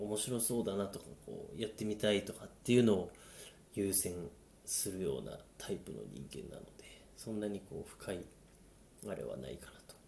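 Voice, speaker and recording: Room echo is audible as a man with a fairly low pitch and vocal fry talks at a moderate pace in a dark, mellow tone, with ordinary pitch variation and big swings in loudness. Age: 20s. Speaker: app company employee starting a talk channel. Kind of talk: casual self-introduction monologue. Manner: halting, many fillers; casual.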